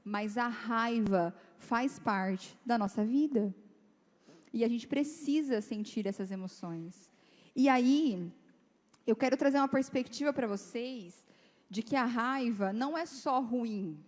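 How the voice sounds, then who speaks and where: Young female youth speaker, lively and conversational, slightly high pitch, reverberant church hall. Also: slow. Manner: lively, chatty, acts out dialogue in quoted voices. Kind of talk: informal talk to teenagers.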